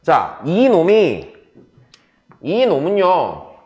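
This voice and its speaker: A man's voice: on the high side, wildly swooping pitch, very slow, a little mellow, roomy sound. A man teaching a math class, switching between casual and polite speech and often checking whether students follow. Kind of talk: classroom lecture.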